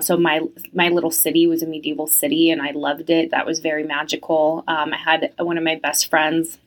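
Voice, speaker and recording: A young woman from France who grew up in the United States, answering interview questions in a chatty, reflective way with many fillers. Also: low-pitched.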